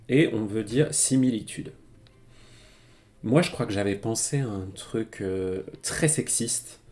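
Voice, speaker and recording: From a home streaming setup, a Japanese teacher gives a casual live-streamed language lesson, full of fillers and frequent laughs as he explains. His voice is on the low side with a darkish tone.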